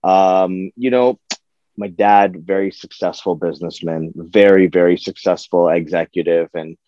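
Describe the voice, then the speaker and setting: A man's voice: low voice, fairly even intonation, a little slow, no echo. A man from Toronto, chatting casually as an interview guest in slangy talk, on a slightly muffled recording. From Toronto, Canada. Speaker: podcast guest, chef.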